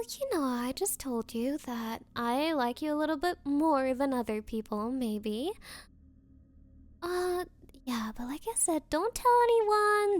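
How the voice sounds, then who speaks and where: A bratty young rich girl, acted by a woman speaks in a high voice at a slow, drawn-out pace. She is coy, haughty and defensive about her crush, in the style of an anime ASMR roleplay, recorded dry and close. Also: a little mellow, no echo. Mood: flustered, defensive. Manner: coy, haughty, hesitant valley-girl phrasing. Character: bratty spoiled rich girl, possessive, smitten but defensive.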